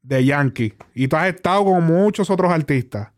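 Clear-voiced Caribbean man speaking casual Spanglish. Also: a little high, expressive, normal speed. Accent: Caribbean Spanish. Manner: Spanglish, switching between Spanish and English. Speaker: interviewer and show host. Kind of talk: casual conversational interview.

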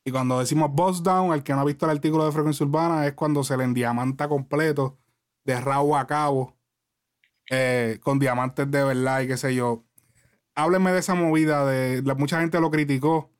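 Animated man, slightly high voice. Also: normal speed. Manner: animated, laughing, code-switching. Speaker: podcast host. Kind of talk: casual chat.

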